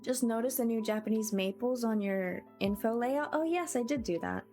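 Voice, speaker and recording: A woman hosting a livestream, chatting casually to her viewers in a gentle, appreciative way. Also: on the high side, moderate pace, soft background music. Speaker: livestreamer host.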